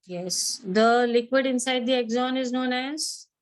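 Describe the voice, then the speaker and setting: A woman's voice: fairly high pitch, a little slow, no echo, studio quality. A woman with a South Asian accent teaching an interactive online class, asking questions, repeating points and switching between two languages. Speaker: biology teacher.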